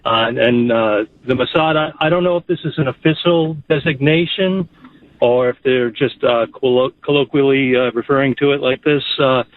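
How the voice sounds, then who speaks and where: A man calling in to a radio show, halting and full of fillers, chuckling as he talks. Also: mid-range voice, no room sound. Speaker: caller. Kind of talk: phone-in caller chat. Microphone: telephone. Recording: muffled phone line.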